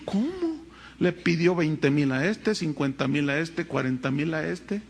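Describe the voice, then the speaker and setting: A Mexican man preaching a sermon as pastor, with animated, dramatic storytelling. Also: on the high side, measured pace, gravelly.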